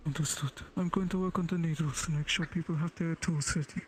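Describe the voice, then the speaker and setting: A man's voice: on the high side, fairly even intonation, quick pace, slight background noise, lightly acted. A man voicing a solemn, protective guardian devoted to his people, speaking formally and dramatically in improvised roleplay. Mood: solemn, resolute. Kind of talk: improvised virtual-world roleplay.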